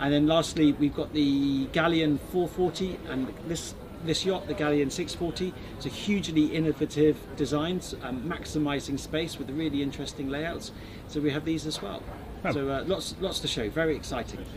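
Noticeable background noise surrounds a man whose intonation stays fairly even. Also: moderate pace. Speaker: yacht sales representative. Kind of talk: interview answer. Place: boat.

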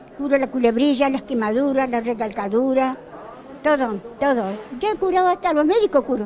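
A woman's high voice with very wide pitch swings, a fairly quick pace, and long, frequent pauses over crowd noise in the background. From Argentina. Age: old. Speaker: folk healer. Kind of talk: interview answer. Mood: cheerful, chatty. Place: hall. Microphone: handheld.

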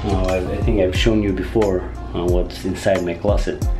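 A man speaks at a fairly slow pace with a very deep, low pitch and ordinary pitch variation. Clear music plays in the background. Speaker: vlogger. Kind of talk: casual vlog chat. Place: home room. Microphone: phone near.

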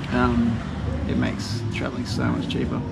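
A man's voice amid loud background noise. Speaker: travel vlogger. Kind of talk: casual vlog chat. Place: home room. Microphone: phone near.

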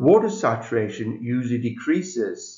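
A somewhat breathy male voice with audible room echo and a quiet background. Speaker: presenter. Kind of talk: lecture. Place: home room.

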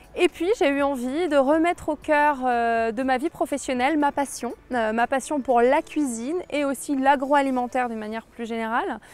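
A woman with a high-pitched voice talks at a moderate pace with ordinary pitch variation and hardly any pauses, the sound dry with no echo. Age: 30s. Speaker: graduate in career change. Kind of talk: testimonial presentation. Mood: warm, enthusiastic. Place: open country. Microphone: lapel.

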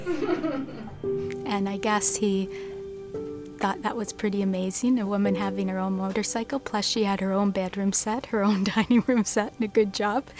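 Music in the background beneath lively intonation and a moderate pace. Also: woman, medium pitch for a woman. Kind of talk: interview answer.

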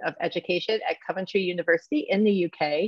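A woman speaks with fairly even intonation. The background is quiet and the sound is dry with no echo. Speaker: academic center director and moderator. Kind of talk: webinar moderation. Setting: video call. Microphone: video call.

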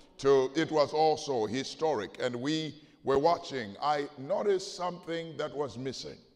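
A man at a moderate pace over a quiet background. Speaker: preacher. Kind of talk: sermon. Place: church. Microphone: handheld.

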